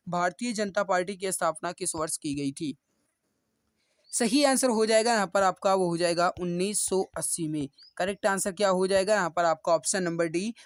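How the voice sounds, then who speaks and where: Repetitive Hindi exam-prep teacher, dry close sound. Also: male voice, sits high, dry recording. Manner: addresses students as dear brothers and sisters, repeats answers; rousing motivational appeals. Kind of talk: online exam-prep class.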